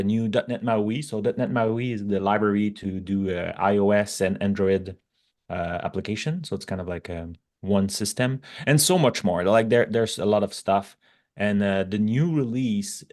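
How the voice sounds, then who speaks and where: Low-voiced man with a French accent. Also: a little mellow. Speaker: guest tech expert. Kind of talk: casual technical talk.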